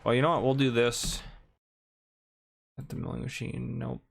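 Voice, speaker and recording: A man's voice: medium pitch, flat delivery, moderate pace, vocal fry. A man in his twenties chatting casually while playing a farming game at home, rambling and laughing often. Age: 20s. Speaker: gaming channel host. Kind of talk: casual gameplay commentary. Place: home room.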